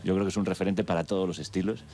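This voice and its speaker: Band guy, super low voice, talks quick, faint noise. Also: steady tone, warm tone. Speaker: band musician guest. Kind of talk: casual interview answers.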